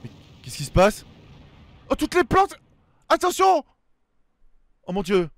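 A young man giving excited let's play commentary, exclaiming and talking to himself as he reacts. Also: extremely high pitch, slow pace, creaky. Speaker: gaming video host.

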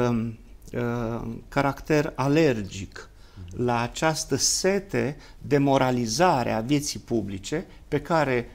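Speaking in a formal political discussion as a guest commentator, a Romanian-accented man chooses elaborate, high-flown academic wording and pauses at length. His voice sits at a medium pitch, carries vocal fry, and sounds a little mellow.

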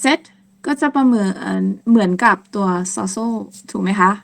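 A woman teaching a lesson on German numbers, speaking slowly and patiently and repeating each word several times. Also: mid-range voice, vocal fry. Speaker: language teacher.

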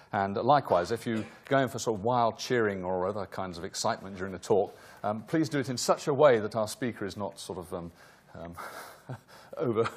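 Low-voiced male host, formal but rambling, lectern welcome. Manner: rambling, many fillers and self-corrections. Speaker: host introducing a lecture. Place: lecture hall, at a lectern.

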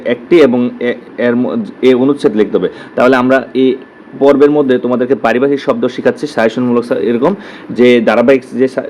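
A man with a Bangladeshi Bengali accent teaching an exam-prep lesson. He repeats each term slowly and checks in with "clear?". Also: mid-range voice, dark tone, slight background noise, rough recording. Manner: drills terms, repeats words slowly, asks "clear?".

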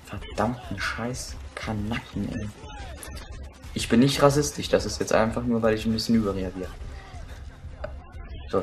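A young man giving crude, excitable commentary while playing a shooter, swearing and shouting at enemies. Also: fairly low pitch, slight background noise. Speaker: let's play gamer. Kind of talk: casual gameplay commentary.

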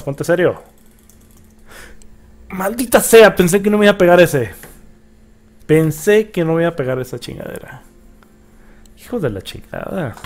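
Excitable gamer with a gravelly voice. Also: male voice, on the high side. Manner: excitable, swears and yelps at the game. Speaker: gaming YouTuber. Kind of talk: let's play commentary.

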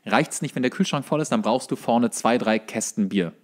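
A man's voice: medium pitch, normal speed. A young man, co-hosting a podcast and telling anecdotes in a casual, chatty way. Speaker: podcast co-host.

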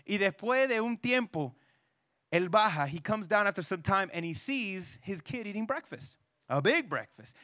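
A man's voice: high voice, big pitch swings, measured pace, sharp tone, dry recording, clean studio sound. A man leading a church parenting workshop. He says each point twice, asks the audience questions, and keeps checking in with "right?" and "you know". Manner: restates each point twice, switching back and forth.

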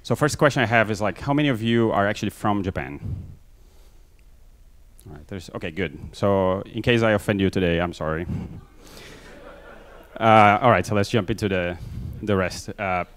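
Holding a mic on a big conference stage, this man talks fast and loose, peppering his speech with fillers and jokes at his own expense. His voice is low yet fairly bright in tone, and his Brazilian Portuguese accent has been mixed by years spent in many countries.

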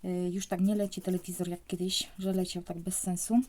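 Young woman, hushed casual commentary, mellow dark tone. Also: fairly low pitch, level tone, fairly quick. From Poland. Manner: speaks softly, often near a whisper. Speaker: vlogger scratching lottery tickets.

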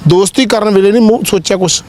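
A man's voice: high voice, quick pace, a little mellow. A man interviewing as a news reporter, asking probing questions. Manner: probing, lots of hums.

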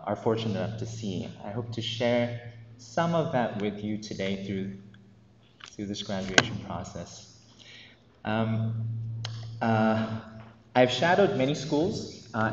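Teacher, man, 30s, nervous podium speech with filler words, in a big reverberant hall, with faint noise behind. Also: mid-range voice. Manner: hesitant, many ums and uhs, nervous. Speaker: commencement speaker, math teacher. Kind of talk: commencement speech. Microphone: podium microphone. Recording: echoey hall, dull lo-fi sound.

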